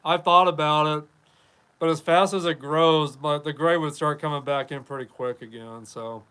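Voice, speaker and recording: A man's voice: fairly high pitch, fairly even intonation, moderate pace, pushed and bright, smooth, rough recording. A man in his fifties from Wyoming, hosting a casual live podcast, rambling and chatting as he reads viewer comments. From Wyoming, USA. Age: 50s. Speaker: podcast host. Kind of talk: casual live-stream chat.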